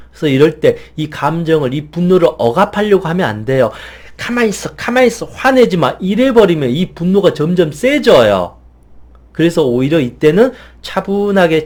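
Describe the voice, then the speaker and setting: A middle-aged man giving a calm lecture on healing the inner child, counting slowly and speaking in soft consoling phrases. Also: fairly high pitch. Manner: slow, soothing counting and gentle guided speech.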